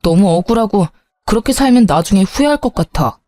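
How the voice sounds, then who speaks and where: A woman's voice: medium pitch, lively intonation, a little fast, warm tone, dry recording, clean studio sound, faint music behind, lightly acted. A woman voicing an irritable young husband who brushes things off and scolds. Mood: apologetic. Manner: curt and scolding, then sheepish.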